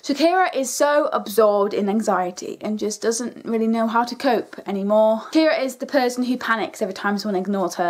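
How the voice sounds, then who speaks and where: A young British woman vlogging casually to camera, speaking in an informal, slangy, self-deprecating way. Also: fairly high pitch. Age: young adult. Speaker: video blogger.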